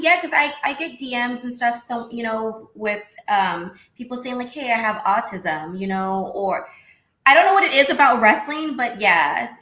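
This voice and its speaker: A woman in her thirties with a high-pitched voice, talking in a casual, outspoken way as a guest on a video call interview. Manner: animated, outspoken, swears casually. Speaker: interview guest, former wrestler. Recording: echoey room.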